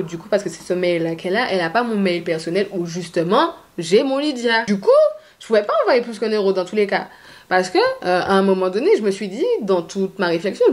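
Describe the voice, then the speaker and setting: A woman talks fairly quickly with a plain, everyday voice. Her pitch is medium and her intonation lively. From Guadeloupe. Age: 20s. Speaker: YouTuber. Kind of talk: storytime, casual talk to camera.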